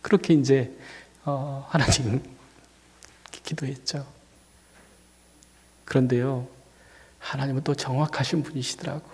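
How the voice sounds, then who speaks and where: In a church sanctuary with long reverb, a senior pastor shares a personal story in his sermon while fighting a cold and feeling dizzy. His mid-range, darkish voice is fairly even in intonation, a little slow, with long pauses. He speaks conversationally but builds to emphatic peaks on key points.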